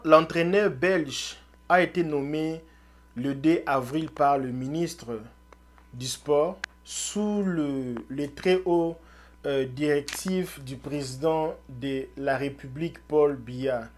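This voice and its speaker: Slow, halting man recapping the news. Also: fairly high pitch. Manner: halting, many fillers and restarts. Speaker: news commentator. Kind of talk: casual news commentary.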